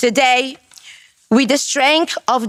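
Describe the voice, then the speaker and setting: The speaker is a woman with a Portuguese accent. She talks at a very slow pace. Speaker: activist. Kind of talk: speech. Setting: conference hall with audience.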